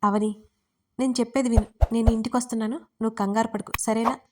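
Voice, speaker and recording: A woman voicing a worried female friend who calmly and firmly reassures her, in an audio story. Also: a little high, brisk, very noisy, natural voice. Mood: soothing. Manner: reassuring, insistent. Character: worried close woman friend, calm and firm.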